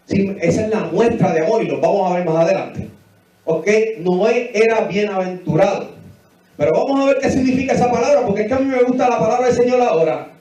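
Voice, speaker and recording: A man's voice: high-pitched, brisk, warm tone, far from the mic. A man in his forties preaching a Bible teaching sermon, emphatic and repetitive, often asking the congregation questions. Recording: echoey hall, voice picked up from afar.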